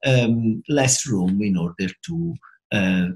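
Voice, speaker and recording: A middle-aged Italian professor of finance and risk management speaks to a webcam from a small home office lined with bookshelves. His lowish, Italian-accented voice explains things haltingly, full of fillers and repeated words.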